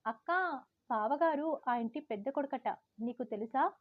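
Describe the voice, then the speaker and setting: A sly younger sister teasing in a light, fairly high voice, as a woman reads her part. The recording is dry and a bit dull. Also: normal speed, no room sound.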